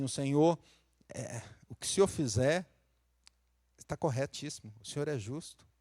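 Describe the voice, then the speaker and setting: Preaching Brazilian pastor, dry close sound. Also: male voice, on the high side, darkish tone, no room sound. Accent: Brazilian Portuguese, Minas Gerais. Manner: conversational preaching, rising to emphatic peaks. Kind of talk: sermon.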